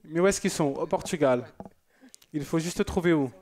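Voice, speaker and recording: Man host, church TV, slightly high voice, casual and joking, reads out viewers' messages. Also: normal speed, a little mellow. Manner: chatty and joking, with loose asides. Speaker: church TV presenter. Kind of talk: casual broadcast chat reading viewer messages.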